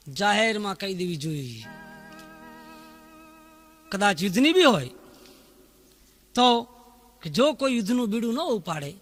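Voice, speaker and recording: A man's voice: high voice, bright, forceful tone, no room sound. A man telling a folk tale in dayro style, dramatic and declaiming, breaking into chanted verses. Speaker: folk storyteller.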